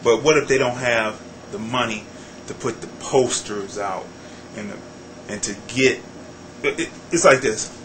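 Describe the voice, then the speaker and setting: A man's voice: mid-range voice, measured pace, pauses often, fairly bright tone, slight background noise, rough recording. A middle-aged American man speaking casually and emphatically in an interview, with informal, street-wise phrasing. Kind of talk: casual opinionated interview talk.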